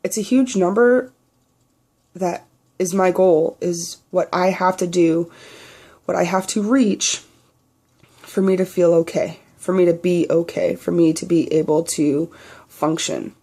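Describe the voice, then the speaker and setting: A young trans man with a naturally high voice he tries to pitch lower, speaking candidly and bluntly in a personal video diary, swearing freely. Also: fairly even intonation, unhurried, dark tone. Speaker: vlogger.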